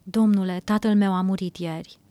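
A woman's voice: medium pitch, steady tone, mellow, no room sound, natural voice. A woman reading a pleading young man.

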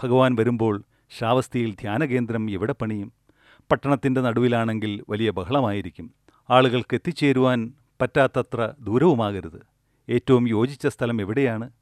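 A man giving a spoken dharma discourse, retelling an old story in a slow, measured way that often drops soft and low. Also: no room sound, studio quality.

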